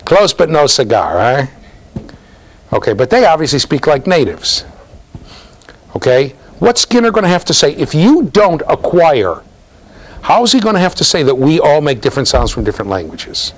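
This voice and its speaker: Man, middle-aged, university lecturer, animated pitch, quizzing students, seated at a desk mic. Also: normal speed, a little hiss or hum. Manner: questioning students, lively, gestures while talking. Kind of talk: interactive classroom lecture. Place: office with bookshelves, linked to a classroom.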